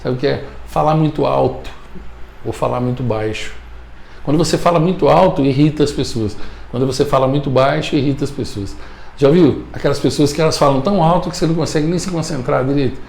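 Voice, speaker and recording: A man's voice: fairly high pitch, fairly even intonation, fast talker, vocal fry, a little mellow, roomy sound, slight background noise. A man with a Brazilian Portuguese accent giving an emphatic motivational talk as a communication coach, repeating his key points and often checking that listeners follow.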